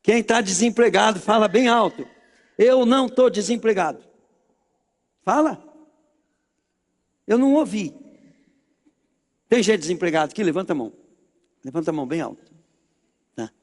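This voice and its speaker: A man's voice: high-pitched, expressive, normal speed, pauses often, big-room sound. A Brazilian pastor leading his congregation in a prayer, giving them short phrases to repeat after him. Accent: Brazilian Portuguese.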